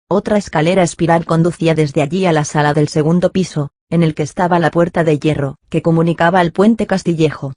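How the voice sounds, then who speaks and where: A man narrating a classic novel as an audiobook, in a steady, measured storytelling manner. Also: fairly high pitch, dry recording, clean studio sound. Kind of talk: scripted literary narration.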